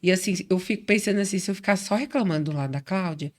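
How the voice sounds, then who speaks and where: A woman's voice: mid-range voice, very fast. A middle-aged woman from Brazil telling her faith story in casual chat, acting out quoted voices as she goes. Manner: warm chatty storyteller, acts out quoted voices. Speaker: guest.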